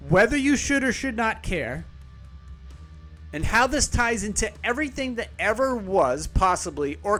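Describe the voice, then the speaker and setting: A man's voice: high-pitched, a bit bright. A man hosting a podcast, reading a news article aloud with casual, profane, rambling asides and frequent self-corrections. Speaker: podcast host.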